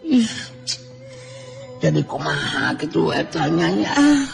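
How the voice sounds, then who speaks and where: A man's voice: a little high, big pitch swings, takes it slowly, vocal fry, over music, pitched above the performer's own voice, full character voice. A man voicing a fussing old stall-keeper woman. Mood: chatty. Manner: fussing, explaining, doting. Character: old village woman running a food stall.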